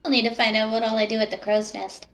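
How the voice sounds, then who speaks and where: A woman's voice: fairly high pitch, little pitch movement, quick pace. A woman chatting casually in character as a player in a tabletop game. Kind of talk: casual in-game roleplay chat.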